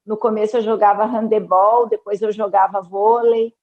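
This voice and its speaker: A Brazilian woman in her forties from Curitiba, a guest telling her story calmly in an interview. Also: mid-range voice, normal speed, narrow, tinny audio. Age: 40s. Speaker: guest, ophthalmologist. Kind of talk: interview conversation.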